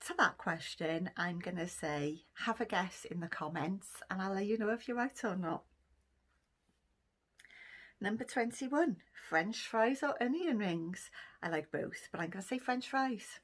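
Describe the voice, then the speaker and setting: A middle-aged Welsh woman from Cardiff, chatting casually through a list of questions for her vlog, with frequent ums and laughter. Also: mid-range voice. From Cardiff, Wales. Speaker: vlogger. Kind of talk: casual chat answering a question tag.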